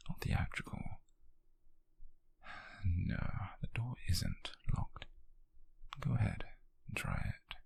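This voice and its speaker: A British man playing a wealthy, possessive nobleman who is coolly controlling yet tender, in an intimate ASMR roleplay, with slow, condescending endearments in a husky near-whisper. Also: sits low, full character voice. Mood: amused, possessive.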